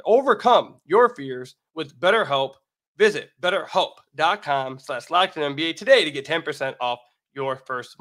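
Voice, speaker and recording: Bright, high-pitched American man, voice worn by sickness. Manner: emphatic, repeats phrases for emphasis. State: sick, losing his voice, slightly raggedy. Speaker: sports podcast host. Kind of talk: solo basketball commentary with sponsor read.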